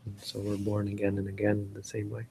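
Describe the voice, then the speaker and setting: A man's voice: lowish voice, completely flat delivery, a little fast, vocal fry, mellow, a little hiss or hum. A Canadian man giving a rambling casual talk on a live stream, often restarting and searching for words. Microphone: live stream setup.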